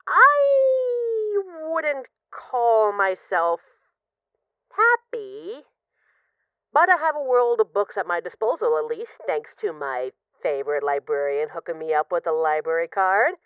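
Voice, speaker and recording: Woman acting as female mafia boss, affectionate and wry, smooth voice, swooping intonation, hesitant conversational voicemail delivery, audio roleplay, slightly muffled dry recording. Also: mid-range voice, big pitch swings, slow pace, no room sound. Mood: bored, wry. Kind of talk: scripted audio roleplay as intimate rambling voicemails.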